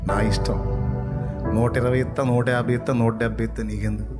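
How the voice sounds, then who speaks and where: Preacher doing god, stern all-powerful guy, firm and dismissive, medium pitch. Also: little pitch movement, brisk, loud music behind the voice, lightly acted. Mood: commanding.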